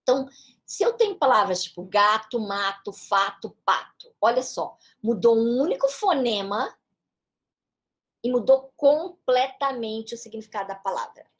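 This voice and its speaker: A woman teaching a lesson in a São Paulo Brazilian Portuguese accent, her voice sitting somewhat high. She talks slowly and patiently, going through examples one at a time. She often stops to check in with short tag questions. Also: animated. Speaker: English teacher. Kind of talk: classroom-style lesson explanation.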